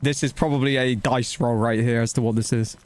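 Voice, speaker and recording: A man's voice: mid-range voice, steady tone, a little fast, no echo. A man giving casual live gameplay commentary and chatting to viewers, blunt, slangy and matey, with some swearing. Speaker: video game streamer.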